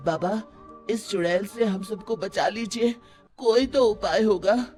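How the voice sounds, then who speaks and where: A performer voicing an anxious, earnest village man in an animated story, fearful and seeking help, music behind. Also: mid-range voice, measured pace, natural voice. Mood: earnest pleading.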